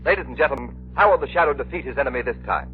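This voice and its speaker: A man's voice: medium pitch, animated, very fast, loud music behind the voice. A man announcing and reading a persuasive commercial in 1930s radio style. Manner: persuasive, emphatic. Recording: tinny 1930s radio recording.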